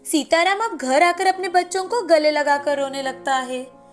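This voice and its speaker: Woman, storyteller, scripted narration, steady, high-pitched, faint background music. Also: moderate pace.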